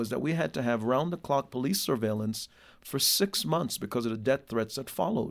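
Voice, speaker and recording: On a very clean recording with a silent background, a man with an unremarkable speaking voice talks at a fairly quick pace, his medium pitch moving with lively intonation. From Jamaica, moved to New York at eight. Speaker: pastor and author.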